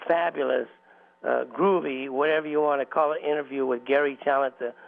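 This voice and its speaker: A man's voice: medium pitch, steady tone, brisk, vocal fry. A man hosting a local radio talk show as DJ, chatting loosely with many fillers and restarts. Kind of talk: casual radio chat. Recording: tinny phone-like radio audio.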